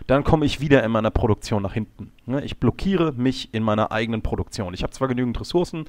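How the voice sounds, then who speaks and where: A man with a slight cold and a slightly hoarse voice, explaining a game replay calmly, often pausing on fillers and correcting himself. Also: medium pitch, no room sound. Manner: calm, explanatory, with frequent fillers and self-corrections. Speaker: game coach. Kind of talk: instructional commentary over a game replay.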